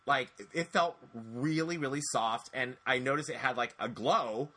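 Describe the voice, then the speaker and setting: A man in his forties hosting a podcast, telling stories in a chatty, animated way with lots of restarts. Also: medium pitch, normal speed. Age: 40s. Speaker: podcast host. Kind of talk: casual podcast chat.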